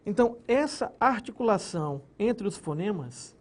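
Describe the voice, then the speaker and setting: A man's voice: high voice, sing-song, normal speed. A man teaching a recorded grammar lesson, explaining step by step, splitting words into syllables and checking in with his students. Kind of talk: recorded exam-prep lesson.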